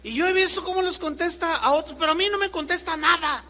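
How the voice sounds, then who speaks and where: A man's voice: extremely high pitch, fast talker, bright, forceful tone, pitched above the performer's own voice, exaggerated voice. A man voicing an anxious believer who whines, in a rush, that his prayers go unanswered. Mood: whining.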